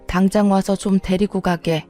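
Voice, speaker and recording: A woman's voice: medium pitch, fairly even intonation, normal speed, mellow, faint music behind, natural voice. A woman voicing an older mother who urgently calls her son-in-law on the phone. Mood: worried. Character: worried older mother, firm.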